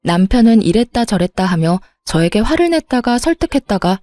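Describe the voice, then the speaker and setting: A woman's voice: medium pitch, very animated, fairly quick, mellow, dry recording, soft background music. A woman narrating her own story in the first person, speaking in a cool, cutting and firm manner.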